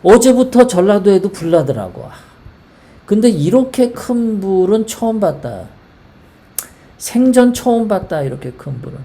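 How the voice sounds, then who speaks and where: A woman's voice: mid-range voice, big pitch swings, measured pace, creaky, warm tone. A woman from South Korea hosting a casual political monologue, talking in a heated, rambling way full of rhetorical questions. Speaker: political commentary host.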